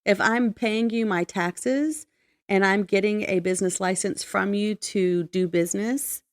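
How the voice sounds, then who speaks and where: A woman's voice: mid-range voice, measured pace, no room sound, clean studio sound. An American woman co-hosting a podcast in casual chat, matter-of-fact and opinionated as she airs her complaints. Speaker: podcast co-host.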